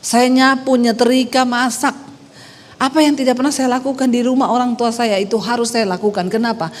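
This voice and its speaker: A woman pastor from Sulawesi with a Sulawesi accent, preaching a sermon as lively storytelling with rising phrase endings. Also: fairly high pitch, a little fast. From Sulawesi, Indonesia. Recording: long reverb of a hall.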